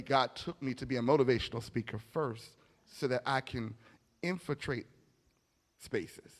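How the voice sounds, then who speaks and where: A man preaching a motivational sermon, emphatic and informal, telling stories and repeating key phrases with dramatic pauses. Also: a little high, fairly bright tone. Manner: informal, anecdotal storytelling. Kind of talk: motivational sermon to a live audience. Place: large indoor hall, speaking from a stage. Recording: echoey hall with long reverb.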